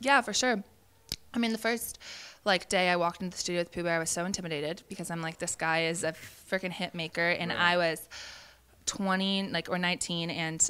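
A woman talks at a fairly quick pace with a fairly low pitch. Her tone is bright and sharp. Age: 20s. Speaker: singer. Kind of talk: casual chat. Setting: backstage before a concert. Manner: animated. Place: home room. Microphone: handheld.

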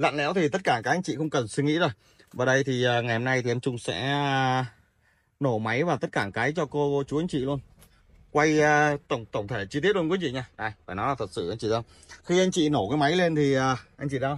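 Lively intonation marks this man's voice at a fairly quick pace. Long, frequent pauses break up his speech. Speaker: used car salesman. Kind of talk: sales pitch. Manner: fast, filler-heavy.

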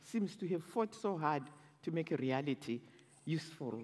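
A woman speaks at a moderate pace with a Zimbabwean accent and a fairly low pitch. Her pitch swings very wide against a quiet background. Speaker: politician and peace activist. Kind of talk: panel talk. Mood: earnest, warm. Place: hall. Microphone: headset.

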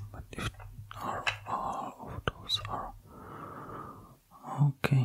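The speaker whispers, leaving long, frequent pauses. There is noticeable background noise. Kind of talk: ASMR puzzle game playthrough, narrating moves. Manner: whispered.

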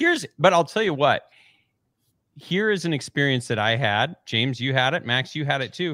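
Against a quiet background, a man with a normal speaking voice talks at a fairly high pitch with lively intonation, in a dry sound with no echo. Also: moderate pace. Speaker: podcast host, business aviation pilot; podcast host. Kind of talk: casual chat. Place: home room. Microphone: studio mic.

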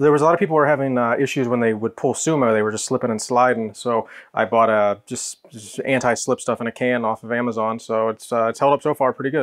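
Against a quiet background, a man talks very fast with hardly any pauses and fairly even intonation. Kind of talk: interview answer. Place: gym.

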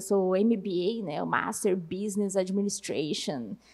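A woman speaks in a dark, mellow tone against a quiet background. Her pitch varies in an ordinary way. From Brasília, Brazil. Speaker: lobbyist, conference speaker; guest. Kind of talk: lecture. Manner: animated. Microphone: handheld.

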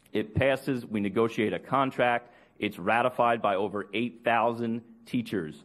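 A man's medium-pitched voice, fairly slow and fairly even in intonation, over a quiet background. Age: 30s. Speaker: teachers' union president. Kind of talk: public address. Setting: public meeting room. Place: meeting room. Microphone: podium.

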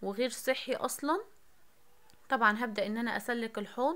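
At a moderate pace, a woman speaks in a normal speaking voice with a fairly high pitch and ordinary pitch variation. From Upper Egypt, Minya. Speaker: home routine vlogger. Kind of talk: voiceover vlog narration.

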